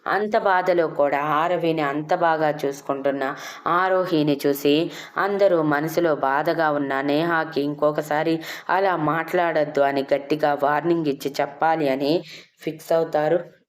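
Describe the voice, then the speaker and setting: Woman storyteller, scripted narration, low voice, steady reading. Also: measured pace.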